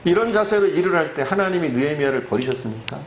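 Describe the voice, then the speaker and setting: A man's voice: on the high side, animated, quick pace. Man, pastor, sermon, emphatic rising questions, acted prayers, roomy echo, faint background hum.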